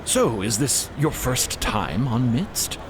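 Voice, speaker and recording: A man voicing an excitable, genial professor-inventor with an effusive, eager manner. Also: medium pitch, takes it slowly, background noise.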